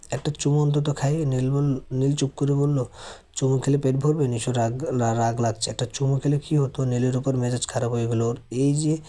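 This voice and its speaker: A man's voice: mid-range voice, warm tone. A man reading a romance story aloud, voicing the narration and the couple's dialogue in his own voice, with small stumbles and restarts.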